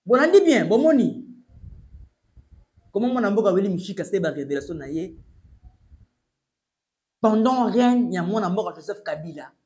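A young man with a Congolese accent delivers urgent news commentary in a high voice, switching between French and Lingala. He speaks emphatically from a small plain room. He sits facing the camera as he talks. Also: very animated, normal speed, pauses often, a little mellow. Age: young adult. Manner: emphatic, urgent, gesturing while addressing the camera.

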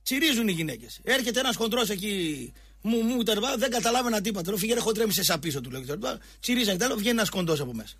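Man, high-pitched, husky, dry close sound, animated radio storyteller, talks over others. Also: dry recording. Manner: loud storyteller, interrupts, acts out dialogue. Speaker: radio co-host. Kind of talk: heated radio banter.

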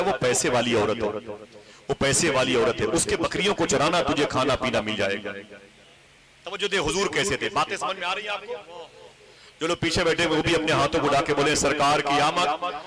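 A man preaching a religious sermon to a live gathering, telling stories dramatically and rising to impassioned high cries as he calls on listeners to respond. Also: normal speed, a loud crowd. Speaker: Islamic preacher.

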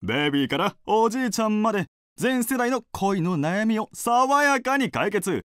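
A man's voice: high-pitched, very animated, normal speed, a bit bright, clean tone, dry recording, clean studio sound. A male voice actor playing an upbeat, flirty, showy late-night love-advice radio DJ. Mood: bubbly, flirty.

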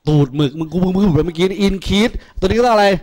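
Guy tutoring math in a classroom, slightly high voice, cracks crude jokes at students. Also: fast, a little mellow. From Thailand. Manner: joking, crude, teasing students. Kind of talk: classroom lecture.

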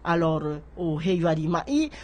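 A woman's voice: fairly low pitch, sing-song, moderate pace, a little mellow. A middle-aged woman, a guest speaking in a radio studio interview who often restarts and repeats words. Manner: hesitant, repeats words while searching for them. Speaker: guest, horticulture association president. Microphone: studio microphone on a stand.

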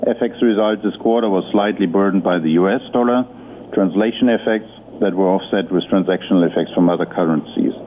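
A male executive giving a formal, somewhat halting prepared presentation on an earnings conference call. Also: low voice. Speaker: company executive. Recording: muffled phone-line audio with noise.

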